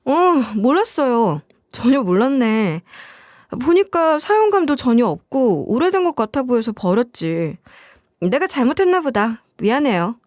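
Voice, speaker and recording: A woman's voice: a little high, sing-song, measured pace, a little mellow, dry recording, clean studio sound. A woman voicing a young wife who is easily hurt and answers defensively and plaintively. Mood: casual.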